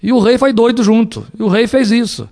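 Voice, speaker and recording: A male pastor preaching a sermon in an animated way, often asking the congregation rhetorical questions. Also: extremely high pitch, a little fast.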